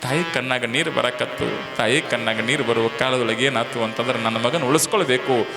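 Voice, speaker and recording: A man telling a devotional story as a sermon, dramatic and rising into high, loud, emotional pleas. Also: normal speed, creaky, big-room sound. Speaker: preacher. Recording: music playing behind the voice.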